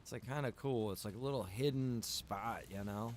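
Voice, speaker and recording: Male game streamer, mid-pitched, easygoing and rambling, slangy casual commentary over noticeable ambient noise. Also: normal speed. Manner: laid-back, rambling, slangy. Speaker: game livestreamer. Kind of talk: casual livestream commentary, chatting with viewers. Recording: clearly noisy, background ambience.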